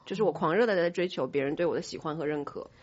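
A woman with a slightly low voice talks quickly in a casual podcast discussion. She is frank and self-critical, explaining herself as she goes. The recording is a little muffled and band-limited. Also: very noisy. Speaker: podcast host, company boss. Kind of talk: casual panel chat. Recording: dull, band-limited sound.

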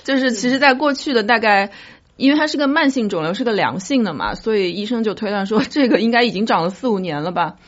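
A woman's voice: fairly high pitch, animated, quick pace. Woman podcast host telling her own stories, jokey and easygoing, kinda muffled lo-fi audio. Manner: light-hearted, jokes about own troubles. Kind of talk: casual chat, personal storytelling. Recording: dull lo-fi audio.

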